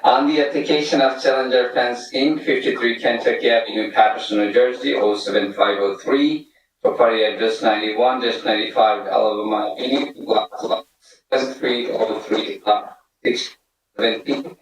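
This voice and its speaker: A man reads a formal board motion in a steady, measured voice, heard over glitchy call audio that keeps breaking up. He sounds far from the device, and the room around him rings with heavy echo. His voice sits at an ordinary middle pitch. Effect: glitchy, breaking-up video call audio. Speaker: planning board vice chair. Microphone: remote call from a device. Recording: echoey, distant call audio.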